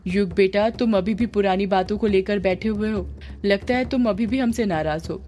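A woman narrator voicing a caring older aunt who pleads softly. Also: mid-range voice, normal speed, a little hiss or hum, close to an everyday voice. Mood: pleading.

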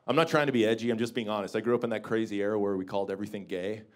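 Deep-voiced man doing stand-up on a club stage. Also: fairly even intonation, racing. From Canada. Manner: wry, self-mocking delivery with bursts of mock bluster. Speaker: stand-up comedian. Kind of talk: stand-up comedy set. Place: small comedy club stage with a seated audience. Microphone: handheld stage microphone.

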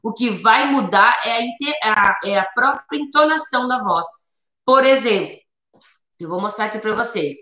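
A woman's voice: fairly high pitch, moderate pace, bright, forceful tone, roomy sound. A woman instructor explaining how to teach children, with many tag questions and rephrasings. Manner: explanatory, repeats points with many "né?" tags. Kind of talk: instructional talk.

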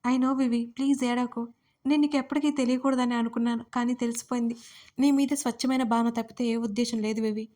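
A woman's voice: on the high side, fairly even intonation, quick pace, mellow, natural voice. A woman voicing a heartbroken young man pleading for trust in an audio story.

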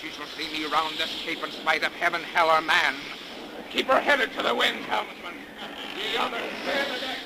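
A half-mad, imperious ship's captain acted by a man barks in a high-pitched voice. His archaic speech is bombastic and defiant, old radio melodrama through and through, on a noisy 1930s broadcast recording. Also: steady tone, moderate pace, natural voice. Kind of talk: 1930s radio drama acting, archaic diction.

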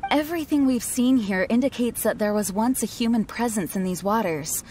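A woman voicing a composed, dutiful young knight commander in a video game, speaking in a measured, formal, serious manner. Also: on the high side, darkish tone, a little hiss or hum, natural voice. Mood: thoughtful.

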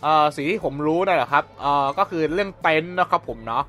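A young man chats and rambles in a casual let's-play, commenting on the video game he's playing and tacking polite filler onto his sentences. His voice is a little high and a bit bright, expressive and fast, heard over game audio and music.

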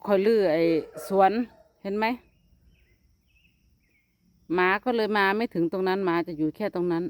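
A woman's voice: mid-range voice, fairly even intonation, normal speed, no room sound. Chatty woman with an Isan Thai accent. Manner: chatty, addresses viewers as "brothers and sisters". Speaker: vlogger. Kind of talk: casual outdoor vlog chat.

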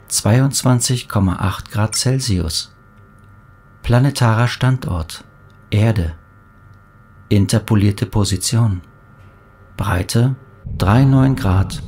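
A man's voice: lowish voice, a little mellow, a little hiss or hum. A man playing a polite, impassive spaceship computer in an audio drama, precise and formal. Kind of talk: measured status announcements.

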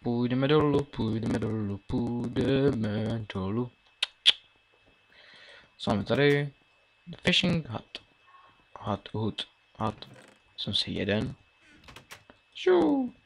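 A late-teen young man commentates his own gameplay casually, mumbling his thoughts as he plays, with keyboard and mouse clicks audible. His medium-pitched voice is gravelly, he leaves long pauses, and there's slight background noise.

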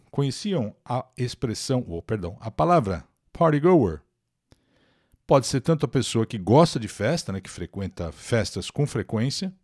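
A man's voice: medium pitch, a little mellow, no echo, clean studio sound. A Brazilian man teaching English in a live stream, explaining words and pronunciation and reading out viewer comments.

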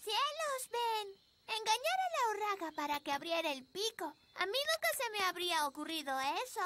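A woman's voice: extremely high pitch, big pitch swings, normal speed, background noise. A woman voicing an earnest, childlike little fairy princess in a children's cartoon dub. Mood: pleased. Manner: earnest, childlike, clearly enunciated. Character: sweet little fairy princess girl, earnest and easily upset. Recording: music behind the voice.

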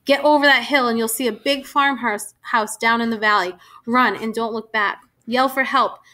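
A woman's voice: on the high side, fairly even intonation, normal speed, pushed and bright. A woman reading the part of a frightened mother, urging her son on with pleading urgency. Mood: urgent. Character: Percy's mother, anxious protective woman.

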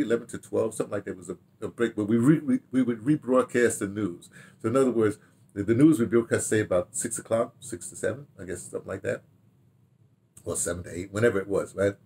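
Husky older man, low-pitched, reminiscing. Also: fast talker. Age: older, 60s or 70s. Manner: animated storyteller, repeats himself, trailing asides. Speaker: radio drama director reminiscing. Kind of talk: casual rambling reminiscence to camera. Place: small home study, indoors.

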